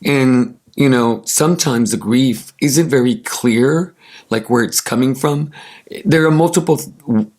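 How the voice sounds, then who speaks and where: A raspy man with allergies, casually chatting and enthusiastically showing off tarot cards, with many ums and uhs. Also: medium pitch, a little slow, darkish tone. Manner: gushing, enthusiastic, with many fillers. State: congested from allergies. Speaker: tarot deck reviewer.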